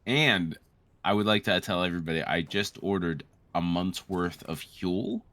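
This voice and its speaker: A man's voice: low voice, moderate pace, a bit bright, no echo. A man co-hosting a let's-play, chatting casually with a friend in a rambling, sweary way. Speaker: co-host of a let's-play show. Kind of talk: casual gaming banter between friends.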